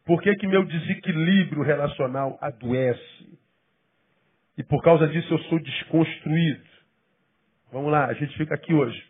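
A male pastor preaching a sermon, emphatic and then dropping to quiet asides. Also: on the high side, husky, narrow, tinny audio. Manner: acts out quoted people in quick bursts.

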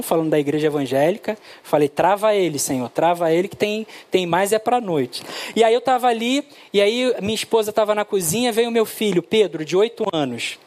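High-voiced, animated Brazilian preacher. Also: male voice. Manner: animated, acts out dialogue with his son. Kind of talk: sermon with storytelling.

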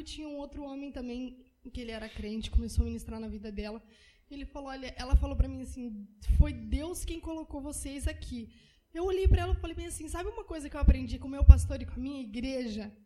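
A woman's voice: high-pitched, fast, dark tone, low-quality recording. Emotional woman giving church testimony. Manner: emotional, repetitive storytelling.

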